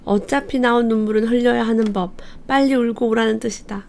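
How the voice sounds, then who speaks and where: A woman hosting a book channel, reading passages from a parenting book aloud and commenting on them, telling the anecdotes in a lively way. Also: on the high side, a little fast, creaky. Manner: lively storyteller who acts out quoted lines.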